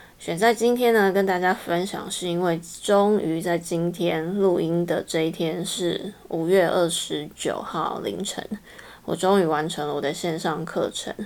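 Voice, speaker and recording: A woman with an ordinary speaking voice, fairly low in pitch and fairly even in intonation. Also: fairly slow pace. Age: 30s. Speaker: podcast host. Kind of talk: personal reflective monologue.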